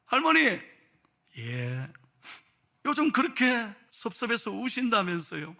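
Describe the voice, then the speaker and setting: A man's voice: very high voice, very animated, moderate pace, creaky, sharp tone, breathy edge, voice pushed up, exaggerated voice. A man doing a probing pastor, rising questions. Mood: questioning.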